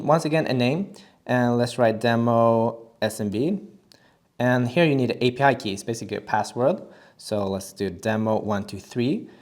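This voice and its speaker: Relaxed man walking through a software setup. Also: medium pitch. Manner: relaxed, talks with frequent uh fillers and restarts. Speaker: software tutorial presenter. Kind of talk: casual screen-recorded tutorial walkthrough.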